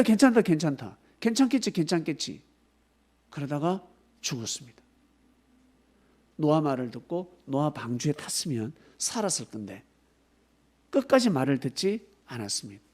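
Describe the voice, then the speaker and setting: A man preaching a sermon at a youth service, asking the students questions and calling on them by name. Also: medium pitch. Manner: animated, acts out scolding voices, asks the listeners questions. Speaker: pastor.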